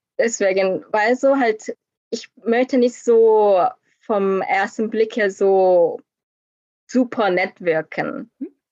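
Speaking very slowly with long, frequent pauses, a woman with a Korean accent uses a fairly high pitch with ordinary variation, in a dry, close sound with no echo. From South Korea, Busan. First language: Korean (speaking German). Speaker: doctoral student. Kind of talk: interview.

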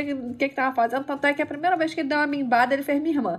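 A woman speaks with a high pitch and an animated tone. Noticeable background noise runs behind her. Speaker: podcast co-host. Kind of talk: casual chat.

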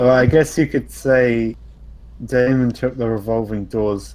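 A man with a British accent at a fairly slow pace. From Britain. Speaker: podcast co-host. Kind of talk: casual chat.

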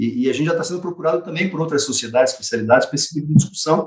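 This man's voice sits at a fairly high pitch. He is the only speaker heard. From Curitiba, southern Brazil. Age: 50s. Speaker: pediatrician and health executive. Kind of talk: casual interview. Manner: halting, many fillers.

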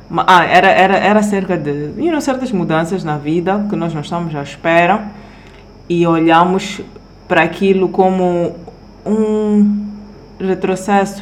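A woman with a medium-pitched voice speaks at a fairly slow pace with ordinary pitch variation and long, frequent pauses, with audible room echo and noticeable background noise. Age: 20s. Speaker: podcast co-host. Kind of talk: casual chat. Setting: recording on a year-end trip.

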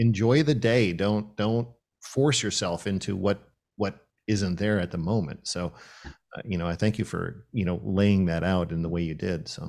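On a very clean recording with a silent background, a man uses a normal speaking voice, fairly low in pitch with ordinary pitch variation. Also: moderate pace.

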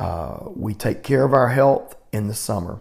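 His voice has very wide pitch swings. The man sounds somewhat breathy. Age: 50s. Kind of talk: solo podcast monologue. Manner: halting, frequent fillers and repeats.

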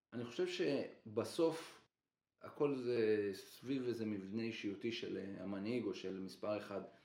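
Audible room echo surrounds a man's dark, mellow tone as he speaks at a fairly slow pace. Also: medium pitch for a man, ordinary pitch variation. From Israel, Haifa. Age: 30s. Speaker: lawyer and former deputy mayor. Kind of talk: interview.

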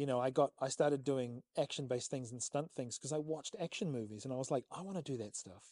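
A man with a New Zealand accent talks at a very fast pace with hardly any pauses. His pitch is medium, with ordinary variation. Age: 40s. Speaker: actor and stuntman. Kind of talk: interview. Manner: frequent laughter.

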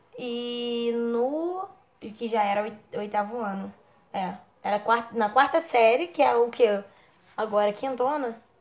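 Over noticeable background noise, a woman with a fairly high pitch talks at a fairly slow pace in an animated tone, with ordinary pitch variation and long, frequent pauses. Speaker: podcast co-host. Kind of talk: casual chat. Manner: animated, laughing often.

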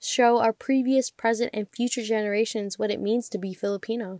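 A woman with a normal speaking voice and an American accent talks at a fairly quick pace. Her pitch is medium and her intonation fairly even, in a dry, close sound with no echo. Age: 20s. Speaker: college student podcaster. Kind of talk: scripted presentation.

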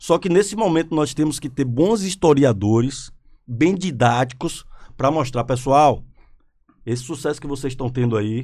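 Speaking in a normal speaking voice, a man with a fairly high pitch and lively intonation keeps a moderate pace in a very clean recording with a silent background. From Bahia, Ilhéus. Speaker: entertainment entrepreneur and radio communicator. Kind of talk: casual interview chat.

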